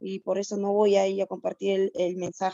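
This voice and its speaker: A woman is speaking. Her pace is moderate. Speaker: church class student. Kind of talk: class discussion.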